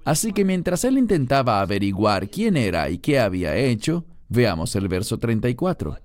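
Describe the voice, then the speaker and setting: A man's voice: medium pitch, big pitch swings, normal speed, a little mellow. A man preaching a sermon verse by verse, reading scripture and then explaining it. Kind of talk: expository sermon.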